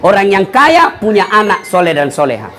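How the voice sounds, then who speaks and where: A man's voice: high voice, sing-song, moderate pace, sharp tone, a little hiss or hum. A man preaching a humorous sermon, telling anecdotes and acting out the voices of people in them.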